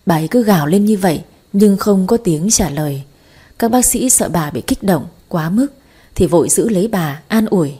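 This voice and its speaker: A woman narrating a romance drama story in a steady storytelling manner. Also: on the low side, moderate pace, husky.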